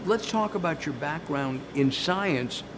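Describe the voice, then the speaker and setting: A man's voice: a little high, lively intonation, unhurried, noisy background. A man hosting an interview program, friendly and teasing, often hesitating with "uh". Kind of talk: hosted interview.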